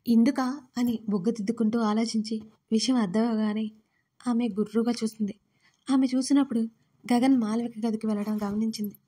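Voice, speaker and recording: A woman reads a romance audio story in a mellow, warm voice pitched a little high. Her delivery is steady and fairly flat, keeping an even storytelling flow. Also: fairly quick, breathy edge. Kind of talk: scripted audio-story narration.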